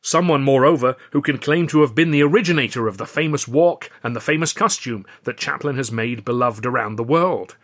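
A man's voice: mid-range voice, a little fast, few pauses, a bit bright, natural voice. A man voicing a showy male film studio boss making a grand announcement in an audiobook. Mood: grand announcing. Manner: announcing, salesman-like build-up. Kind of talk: audiobook character voice.

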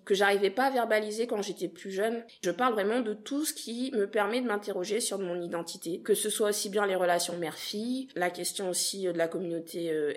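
A young woman from Guadeloupe talks through her answers in an interview. She sounds earnest and reflective, pausing and restarting as she searches for words, and her voice sits at an ordinary middle pitch. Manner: earnest, thoughtful, hesitant restarts. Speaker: podcast creator, interview guest.

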